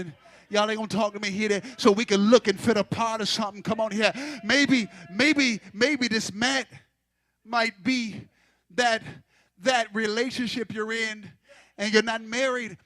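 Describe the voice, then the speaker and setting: A man's voice: high voice, a bit bright, no echo. A man preaching a sermon at a pulpit microphone, building through repeated phrases and addressing the congregation directly. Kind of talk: impassioned sermon.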